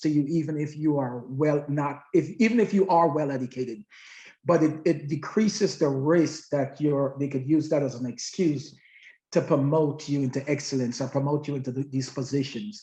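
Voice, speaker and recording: Fairly high-pitched and somewhat breathy, a man with a non-native accent speaks at a fairly quick pace in a dark, mellow tone. His pitch varies in an ordinary way. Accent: foreign. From grew up abroad, first 11 years in another country. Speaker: guest speaker. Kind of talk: Q&A talk to students. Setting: video call. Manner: halting, repeats words.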